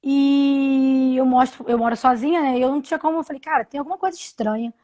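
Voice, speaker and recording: A woman in her thirties telling a personal story on a live video call, halting, with many restarts and repeated words. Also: sits high, dark tone. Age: 30s. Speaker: interview guest. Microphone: video call from home.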